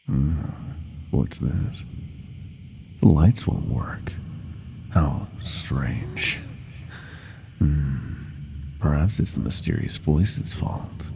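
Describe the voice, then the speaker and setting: An ancient monster from under the bed, played by a man, speaks in an extremely low, heavily creaking voice that often sinks to a whisper. It drawls out playful, menacing taunts in horror ASMR style, savoring each word. There is a light layer of noise behind the voice. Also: very slow, pauses often, warm tone, heavily acted. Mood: sly, taunting. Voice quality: very deep, gravelly, often breaking into whispers.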